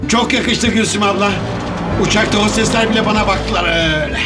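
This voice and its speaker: A man plays a silly young man in a TV sitcom, boastful and chattering. He talks fast in a high voice, with music behind. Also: natural voice. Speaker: young son back from abroad. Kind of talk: sitcom acting.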